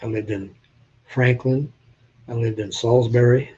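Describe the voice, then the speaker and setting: Older New Englander with a slight southern drawl, chatting. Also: male voice, medium pitch, fairly even intonation, measured pace, warm tone, husky, lo-fi sound. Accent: Southern US with New England traces. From New Hampshire. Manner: chatty, joking, talks to viewers in chat. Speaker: live-stream host. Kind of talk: casual live-stream chat showing old photos.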